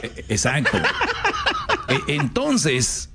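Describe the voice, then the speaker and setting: A man's voice: mid-range voice, wildly swooping pitch, extremely slow, fairly bright tone. A man with a Mexican accent giving casual commentary as a show host, slangy and lecturing, with hesitant restarts.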